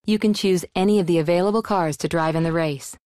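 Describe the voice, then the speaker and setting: A woman voicing a calm female dispatcher who gives even, matter-of-fact race briefings in a game. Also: on the low side, fast, no echo, clean studio sound, natural voice. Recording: voice over clear background music.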